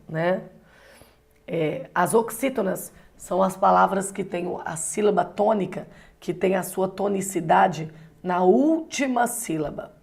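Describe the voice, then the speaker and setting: A woman's voice: on the low side, darkish tone. A woman from Brazil giving an exam-prep lecture as a Portuguese teacher, explaining step by step and often asking rhetorical questions. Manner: explanatory, asks rhetorical questions, frequent tag "né".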